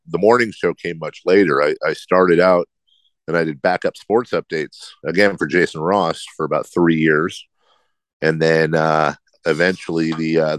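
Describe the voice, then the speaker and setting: A deep-voiced, middle-aged man who hosts sports radio answers interview questions, rambling and putting himself down. He has a slight lisp and a nasal, droning delivery, and there's no room sound.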